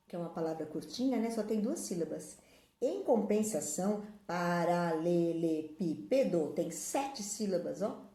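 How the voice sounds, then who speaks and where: Woman, teacher, patient explanations for children, mellow voice, echoey room. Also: fairly low pitch. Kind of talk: classroom video lesson.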